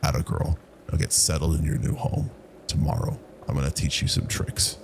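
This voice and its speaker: A man voicing a cruel, domineering middle-aged aunt in a horror story, menacing and commanding, with a gravelly voice. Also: extremely low pitch, sing-song, moderate pace, background noise, full character voice. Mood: taunting.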